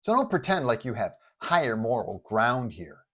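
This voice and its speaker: Man acting blunt, forceful female police chief. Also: mid-range voice, sing-song, normal speed, breathy edge. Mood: exasperated. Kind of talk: superhero story character voice.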